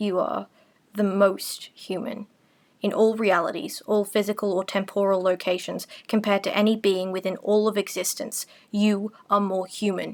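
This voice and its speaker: Drawling put-on character voice from a woman, medium in pitch, bored in tone, at a moderate pace, with a very clean recording and silent background. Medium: read story. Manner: flat, dismissive, condescending; cold drawl like a bored ride operator.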